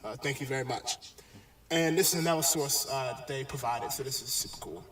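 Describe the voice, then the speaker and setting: A man's voice: mid-range voice, a bit bright. Brief: male bible teacher, hesitant delivery with frequent fillers, roomy echoey distant sound. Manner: halting, many pauses and fillers. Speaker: religious teacher. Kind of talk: bible lesson video. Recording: echoey, distant video playback.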